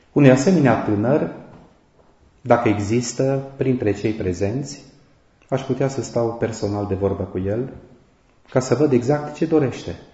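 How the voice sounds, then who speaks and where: A man's medium-pitched voice at a fairly slow pace, with long, frequent pauses, ordinary pitch variation and audible room echo. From Romania, Sibiu county. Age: 60s. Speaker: priest and theology professor. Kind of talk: lecture.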